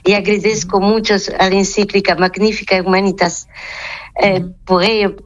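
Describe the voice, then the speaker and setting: Halting Portuguese-accented woman on a phone line. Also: mid-range voice, flat delivery. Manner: halting, searching for words, self-correcting. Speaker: nun, interview guest. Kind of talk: phone interview.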